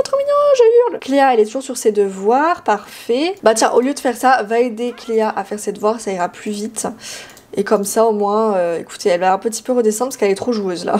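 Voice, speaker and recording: Une jeune femme qui commente un jeu vidéo sur un ton de discussion détendue, bavarde, avec des rires et des cris aigus d'enthousiasme. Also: female voice. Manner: chatty and giggly, with excited high squeals. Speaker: gaming YouTuber. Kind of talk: casual Let's Play commentary.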